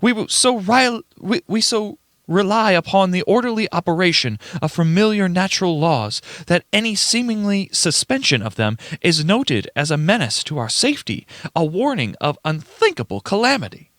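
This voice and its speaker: Radio play witness: earnest, rattled young man played by a male reader, formal storyteller, very lively intonation, dry sound. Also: high voice, normal speed, hardly any pauses, no echo. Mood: uneasy, awed. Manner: formal old-fashioned storytelling, stumbling over words. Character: young man writer testifying, earnest and unnerved. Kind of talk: dramatic radio play reading.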